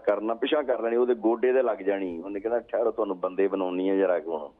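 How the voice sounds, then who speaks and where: A lower-voiced man comes through a thin, tinny phone line as a caller. He tells his story slowly, pausing and restarting as he goes. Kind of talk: phone-in chat.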